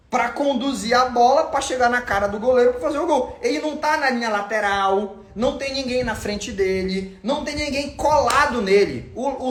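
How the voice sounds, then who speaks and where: A man's voice: sits high, a bit bright, roomy sound. A Brazilian man hosting a football channel, giving insistent, opinionated commentary and repeating his points for emphasis. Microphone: home recording.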